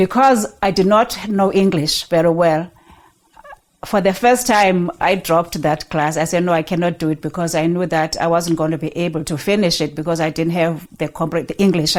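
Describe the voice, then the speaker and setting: A woman's fairly low voice in a South African accent, at a moderate pace with ordinary pitch variation. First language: Xhosa. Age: 70s. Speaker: immigrant. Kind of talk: interview. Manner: halting.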